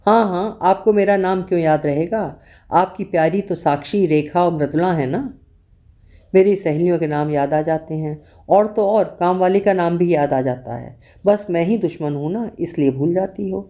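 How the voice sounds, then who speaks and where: A woman's voice: fairly low pitch, normal speed, warm tone, lightly acted. A woman reading a story, voicing a teenage daughter who grumbles in a mock-sulky, teasing way.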